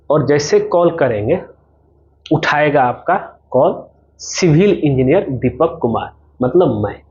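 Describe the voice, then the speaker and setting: A man's voice: fairly high pitch, darkish tone, lo-fi sound. A man giving an informal promotional explainer as a civil engineer, talking the viewer through his service step by step and directly.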